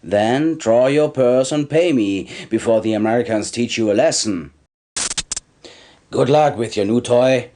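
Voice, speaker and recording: A man's voice: mid-range voice, unhurried, mellow, lightly acted. An actor playing a cocky, greedy black-market arms dealer in a video game cutscene, delivering a smug salesman's patter. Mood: smug, pitching.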